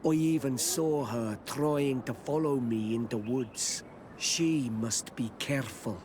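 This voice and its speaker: An actor playing a guarded, curt tribal villager in a video game, with terse, formal, halting phrasing. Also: male voice, medium pitch, background noise, close to an everyday voice. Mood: scornful, ominous.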